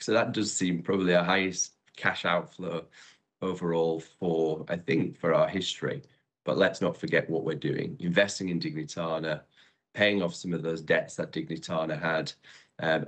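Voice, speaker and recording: A man presenting company results as chief executive on an earnings call, in a measured, businesslike and upbeat way. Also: deep voice.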